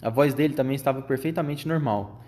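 A man of medium pitch reading a storybook aloud to a child. He narrates plainly and asks the listener gentle questions between passages. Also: fast talker.

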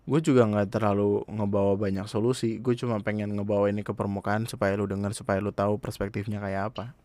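A man's voice: lowish voice, flat delivery, fast talker, darkish tone, no echo. A young man, earnestly commenting in a casual monologue, speaking straight to his listeners. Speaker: podcast host.

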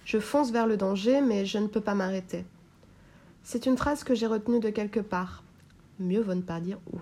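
A woman reads a novel aloud in the first person, her voice mellow and warm. Her delivery is measured and even, in the steady manner of an audiobook. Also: mid-range voice. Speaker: reader.

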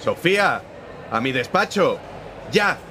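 A man's voice: fairly high pitch, big pitch swings, slow pace, sharp tone, slight background noise, heavily acted. An actor playing a firm, principled newspaper editor-in-chief who lectures his young reporter in a radio drama. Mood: commanding. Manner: firm, lecturing, morally serious.

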